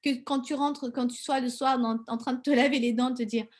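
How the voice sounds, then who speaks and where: A woman giving a casual coaching lesson, chatty and lively, acting out little inner dialogues. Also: high voice, brisk. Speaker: self-confidence coach.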